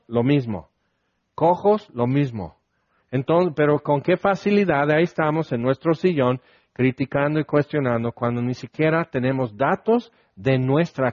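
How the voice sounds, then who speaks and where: A man's voice: medium pitch, a little mellow, dry recording, muffled recording. A man preaching a conversational sermon, asking his listeners questions and acting out the lines he quotes.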